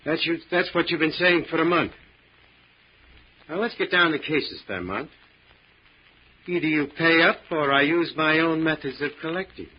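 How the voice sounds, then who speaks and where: An actor playing a hard-nosed, shrewd gambling club boss in 1940s radio drama style, with tough slangy talk and a coolly threatening edge. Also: male voice, a little high, normal speed, long pauses, husky. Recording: muffled vintage radio recording.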